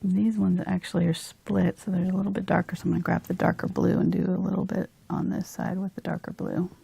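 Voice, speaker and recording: A woman's voice: lowish voice, little pitch movement, fast talker, gravelly, dark tone, breathy edge. A woman hosting a casual painting tutorial, chatting informally and thinking aloud as she works. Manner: giggly, informal, thinking aloud while working. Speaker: host, painting instructor.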